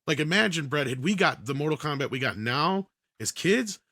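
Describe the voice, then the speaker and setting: A man's voice: fairly high pitch, expressive, moderate pace, sharp tone, no room sound, clean studio sound. A man giving casual, opinionated commentary on movies in a panel discussion, talking at length as he argues his point. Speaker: panelist on an entertainment news talk show.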